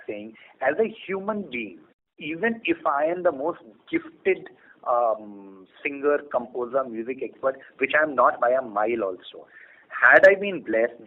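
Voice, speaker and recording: An Indian man, a company executive, explains business decisions to analysts with an Indian accent and emphatic rhetorical questions. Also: mid-range voice. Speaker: company executive on an earnings call. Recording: phone-like conference call audio.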